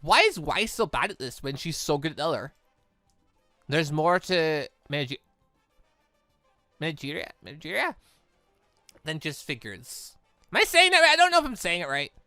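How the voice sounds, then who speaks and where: A man giving rambling, excitable let's play commentary on a close microphone, slipping between asides and character readings. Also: on the high side, moderate pace, pauses often, no echo. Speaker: gaming channel host. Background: game music.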